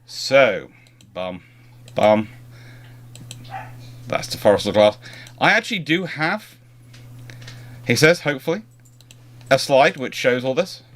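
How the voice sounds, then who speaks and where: Male livestream host, mid-pitched voice, chatty and meandering, informal delivery with broken-off sentences. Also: animated, slow, pauses often, fairly bright tone. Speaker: livestream host answering naval history questions. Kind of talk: casual live stream chat.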